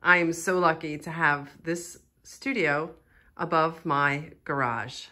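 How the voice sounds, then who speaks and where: A middle-aged artist from Philadelphia, with the city's American accent, gives an informal studio tour and chattily explains things. Her voice is low-pitched and sharp in tone, steady and slow.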